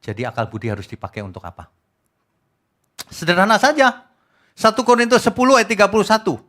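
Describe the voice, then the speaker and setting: A middle-aged man preaching a sermon as pastor, animated, mocking and scolding in turn. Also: sits high, brisk. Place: church.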